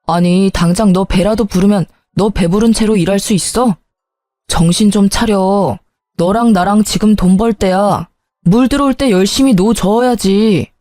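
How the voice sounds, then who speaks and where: A woman's voice: mid-range voice, warm tone, no echo, close to an everyday voice. A woman voicing an irritable young husband who brushes things off and scolds. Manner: curt and scolding, then sheepish.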